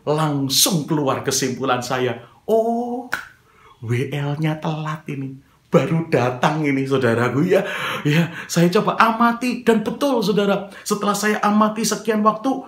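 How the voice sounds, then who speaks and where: A man's voice: high voice, reverberant. A man preaching a sermon, telling a story to his congregation and acting out the dialogue, often calling his listeners brothers. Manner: addresses listeners as brothers, acts out quoted dialogue.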